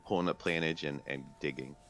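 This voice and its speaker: A man's voice: very deep voice, fairly even intonation, a little fast, fairly bright tone, a little hiss or hum. A man on a casual podcast, dropping short, terse remarks about games. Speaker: podcast co-host.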